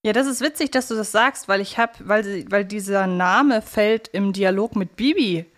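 A woman's voice: medium pitch, normal speed. A woman co-hosting a podcast, casually discussing an audio drama series, agreeable and thinking aloud as she goes. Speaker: podcast co-host.

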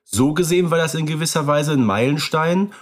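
A man's voice: fairly high pitch, fairly quick. A man co-hosting a podcast, agreeable and matter-of-fact in casual chat. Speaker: podcast co-host.

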